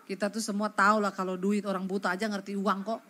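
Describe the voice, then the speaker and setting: A woman pastor preaching a sermon, telling a personal story in an animated, colloquial way and often addressing the congregation directly. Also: mid-range voice, fast, slight background noise.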